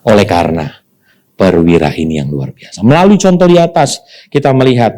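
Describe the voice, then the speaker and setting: An Indonesian man preaching from the pulpit, his voice mellow and warm in tone. He moves between calm, low asides and bursts of excitement, and he keeps calling on the congregation to answer him. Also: brisk. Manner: animated preaching, calls to the congregation. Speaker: pastor. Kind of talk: sermon.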